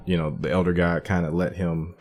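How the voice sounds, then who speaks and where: A man's voice: deep voice, level tone, fairly quick, a little mellow, slight background noise. A man hosting a casual game playthrough, thinking aloud about the story while he plays. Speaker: gaming channel host. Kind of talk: casual let's-play commentary.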